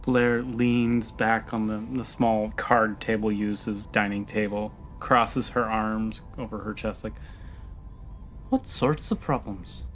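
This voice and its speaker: A woman's voice: very deep voice, little pitch movement, a little slow, hardly any pauses, a little hiss or hum. A woman narrating a tabletop roleplaying game as game master. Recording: music behind the voice.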